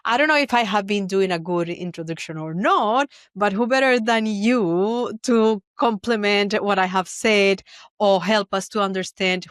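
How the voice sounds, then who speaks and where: A woman hosting a podcast interview, speaking in a measured way and often pausing to search for words. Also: medium pitch, clear, resonant tone, no echo, studio quality. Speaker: podcast host. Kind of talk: conversational interview.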